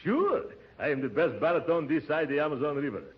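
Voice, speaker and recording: A man voicing a grandly self-important fake Brazilian baritone in a put-on accent, speaking broken English in 1940s radio comedy style. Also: sing-song, fairly quick. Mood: pompous. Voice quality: broken English, theatrical and pompous. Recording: hissy, muffled old radio broadcast.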